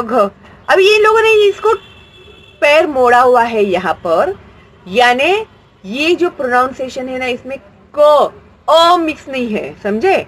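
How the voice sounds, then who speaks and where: Slow, patient teacher woman. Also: sits high, poor audio. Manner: patient, explains slowly, asks and answers own questions. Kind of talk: Hindi grammar lesson.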